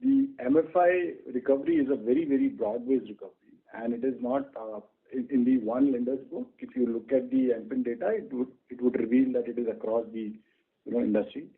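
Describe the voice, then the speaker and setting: An Indian man answering questions on an earnings call as a bank executive, speaking in a halting, repetitive way over a conference line. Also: mid-range voice, big pitch swings, vocal fry. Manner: halting, repetitive, says "you know" often. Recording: muffled band-limited conference phone line.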